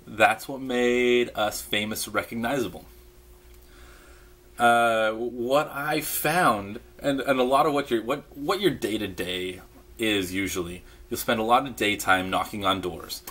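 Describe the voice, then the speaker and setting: A man casually rambling to camera about his past, relaxed and chatty with lots of fillers and restarts, sipping a beer as he talks. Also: mid-range voice, a little slow. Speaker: vlogger recalling mission in Japan. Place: indoors at home, in pajamas.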